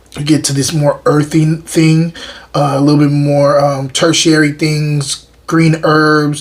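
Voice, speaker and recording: A man speaks in a flat monotone. Noticeable background noise runs behind him. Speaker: wine reviewer. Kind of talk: wine tasting review. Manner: whispering at times; casual, hesitant with fillers.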